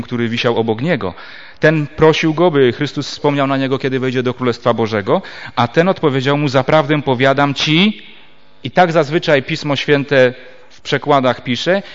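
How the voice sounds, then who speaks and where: A man preaching a Bible teaching sermon. He explains step by step and reads scripture aloud with measured pauses. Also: mid-range voice. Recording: dull lo-fi recording.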